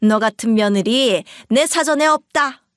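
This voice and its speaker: A woman playing a shrill, scornful mother-in-law. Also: a little slow, no echo, clean studio sound, lightly acted. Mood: furious scolding. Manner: shouting, piercing and contemptuous.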